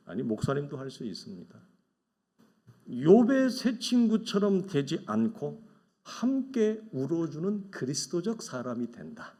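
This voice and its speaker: A man's voice: medium pitch, mellow. A middle-aged man preaching a Sunday sermon as pastor, talking conversationally, asking rhetorical questions and acting out the voices of the people he describes. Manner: acts out quoted voices of envious people.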